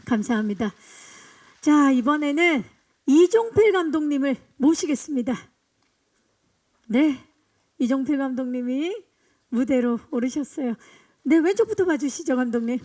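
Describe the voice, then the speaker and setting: Hosting a press screening, a woman upbeatly guides guests through photo poses and introductions. She's high-pitched and animated with a darkish tone, speaking at a moderate pace with long pauses.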